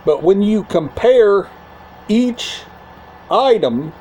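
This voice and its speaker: A man hosting a casual video, talking in short, halting phrases and often repeating himself. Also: high voice, expressive, warm tone, a little hiss or hum. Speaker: YouTube channel host. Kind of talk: casual talk to camera about a media collection.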